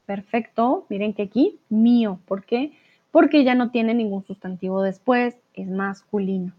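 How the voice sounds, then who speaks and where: A woman's voice: medium pitch, unhurried. A woman teaching Spanish on a live stream, patiently reading out viewers' chat answers and correcting them, sometimes explaining in English or German. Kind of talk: live online language lesson. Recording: tinny narrow-band stream audio.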